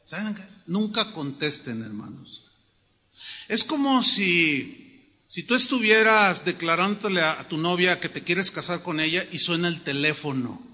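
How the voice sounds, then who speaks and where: A man with a Mexican accent preaching a sermon to his congregation, telling stories in a humorous, animated way. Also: high-pitched, measured pace, big-room sound. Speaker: pastor. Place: church hall.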